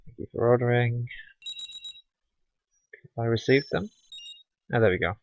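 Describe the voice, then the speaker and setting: A man's voice: medium pitch, normal speed, muffled recording. A man giving casual, chatty commentary while streaming a game, with sarcastic asides.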